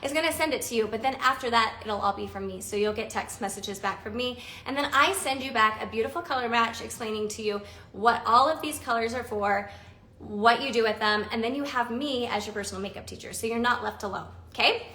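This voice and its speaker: A woman's voice: on the high side, a little fast, bright, forceful tone, echoey room. A woman in her forties hosting a casual live stream, chatty and bubbly, laughing often as she talks through makeup. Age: 40s.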